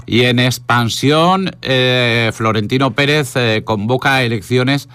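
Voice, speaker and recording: A radio host with an accent from Spain, commenting on the news informally in a halting, wry way with pauses for emphasis. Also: male voice, mid-range voice, over music. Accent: Spanish from Spain.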